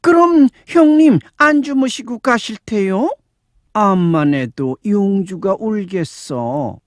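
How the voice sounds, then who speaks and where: A drowsy young woman, as a male reader puts her on, speaking slowly and high from a storybook. Her words drag out sleepily in a dry, close recording. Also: expressive, no echo. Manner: drowsy, drawn-out, high falsetto-like voice. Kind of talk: audiobook reading of a classic short story.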